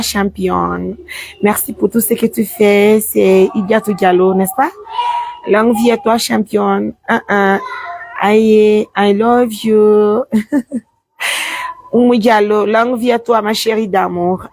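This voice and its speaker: A woman's voice: medium pitch, darkish tone, no room sound. A woman, a mother from Guinea, hosting a casual live stream, mixing French with a local language as she reads out and answers viewer comments. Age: adult with children.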